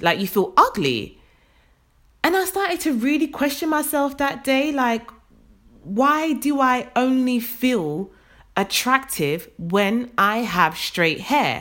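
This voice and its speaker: With a London accent, a woman speaks very slowly in a high voice, her pitch swinging very widely between long, frequent pauses. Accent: British, London. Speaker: podcast host and founder. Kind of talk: casual personal storytelling. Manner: casual, chatty, with fillers.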